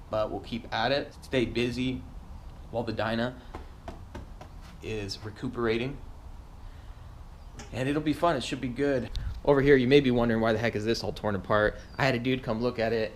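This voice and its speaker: A man's voice: medium pitch, normal speed. A man giving a casual, slangy vlog update to his viewers. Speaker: motovlogger. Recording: faint background noise.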